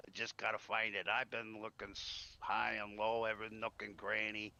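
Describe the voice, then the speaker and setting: A man's voice: on the low side, monotone, moderate pace, sharp tone, highs cut off. A man in casual roleplay chat as a trader, talking in a folksy, chatty, friendly way. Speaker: roleplay gamer playing a trader.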